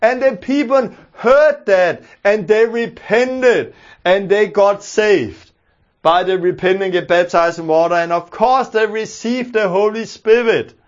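Man with a Danish accent, preaching, high voice, earnest and emphatic, dull lo-fi sound. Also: unhurried. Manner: earnest, emphatic, repeats key phrases. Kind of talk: teaching sermon.

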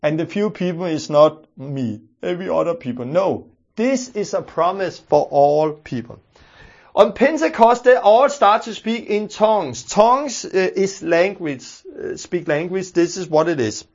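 A man's voice: high voice, lively intonation, a little slow, dull audio. A man with a Danish accent, teaching a sermon in an earnest, emphatic way, repeating his key phrases. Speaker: preacher.

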